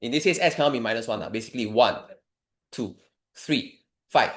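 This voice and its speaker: A man's voice: medium pitch, lively intonation, brisk, fairly bright tone. A man with a Singaporean accent teaching a maths revision lesson in colloquial Singlish, instructing step by step and putting questions to his students. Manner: colloquial Singlish with particles like lah and ah; instructive, poses questions to students and answers them. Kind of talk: informal revision lesson, explaining worked steps.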